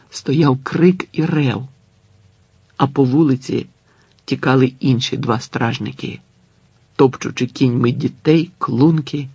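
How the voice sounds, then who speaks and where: A man reading a literary story aloud in a measured, solemn manner. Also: mid-range voice, gravelly, a little mellow, husky, dry recording. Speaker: audiobook reader. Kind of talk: scripted literary narration.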